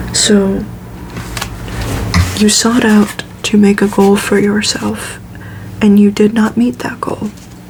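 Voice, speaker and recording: A woman at a medium pitch speaks very slowly, with long, frequent pauses. Her intonation stays fairly even over noticeable background noise. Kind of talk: tarot reading advice to viewer. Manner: gentle, encouraging.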